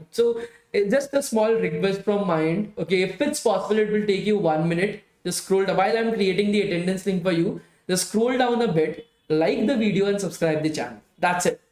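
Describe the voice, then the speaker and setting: A man's voice: sits high, moderate pace, darkish tone, roomy sound. A man, a tired bootcamp instructor with a strained voice, wrapping up a live coding class and chatting with students. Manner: chatty, repeats "guys" often, pleads for likes. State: tired, strained voice from hours of talking.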